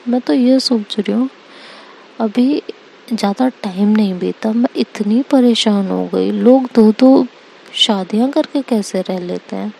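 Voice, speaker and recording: A woman's voice: mid-range voice, measured pace, vocal fry, dark tone, breathy edge. A woman voicing an exasperated young woman caught between two girlfriends, complaining dramatically in a storybook reading.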